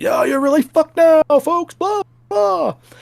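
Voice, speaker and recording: Using a put-on character voice, a man speaks at a moderate pace and an extremely high pitch. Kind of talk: announcer.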